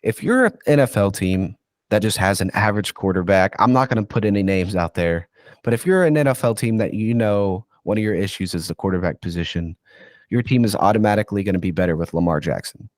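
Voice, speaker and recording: A man's voice: fairly low pitch, fairly quick, no echo, clean studio sound. Stuffy-voiced man rambling on sports. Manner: rambling, rant-prone, says "dude" and "okay". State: stuffy, congested from illness. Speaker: NFL insider guest. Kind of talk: casual sports podcast chat.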